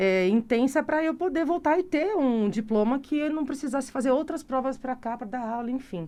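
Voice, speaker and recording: A woman with a high voice and a dark, mellow tone speaks at a moderate pace with lively intonation and hardly any pauses. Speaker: actress. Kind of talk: interview. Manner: animated.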